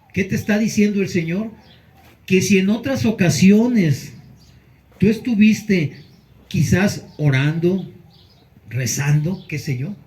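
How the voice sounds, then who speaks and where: A male pastor preaching a Sunday sermon, earnest with emphatic pauses. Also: high voice, darkish tone, poor audio.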